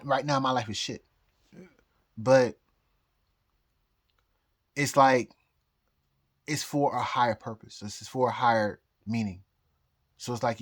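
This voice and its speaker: A man's voice: mid-range voice, fairly bright tone. A tipsy man delivers a loose, personal rant. He halts, doubles back and repeats his phrases as he goes. His delivery is emphatic and defiant, with an unscripted, rambling flow. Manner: emphatic, defiant talk of fate and God. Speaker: astrologer.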